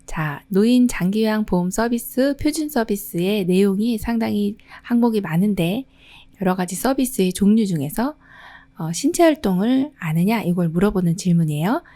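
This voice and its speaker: A woman's voice: mid-range voice, warm tone. A middle-aged woman, an exam prep instructor, reading test questions and options and then explaining the answers in a friendly, teacherly way.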